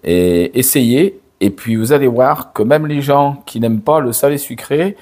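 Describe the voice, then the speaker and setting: Older man, hoarse with a cold. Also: mid-range voice, a little mellow. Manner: slow, hesitant, with many fillers and restarts. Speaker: father and channel host. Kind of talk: casual direct-to-camera chat.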